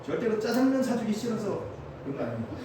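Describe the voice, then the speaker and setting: A man preaching a sermon as a missionary pastor, lively, acting out complaining churchgoers. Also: high voice, quick pace, background noise. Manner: animated, acts out complaining churchgoers in raised voice. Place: church hall. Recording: echoey church hall, from far off.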